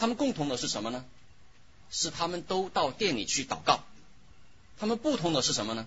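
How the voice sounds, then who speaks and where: This man talks at a fairly quick pace in a high pitch, with very wide pitch swings. Long pauses come often. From mainland China, Yangtze riverside. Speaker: lay preacher. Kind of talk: sermon. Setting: church women's fellowship with audience.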